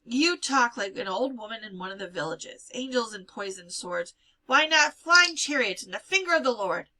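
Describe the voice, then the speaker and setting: A stern aunt in a storybook, voiced by a woman reader, scolding and practical. Her voice is bright and forceful, pushed up above the middle. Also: fairly high pitch, animated, normal speed, poor audio. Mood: scolding, indignant.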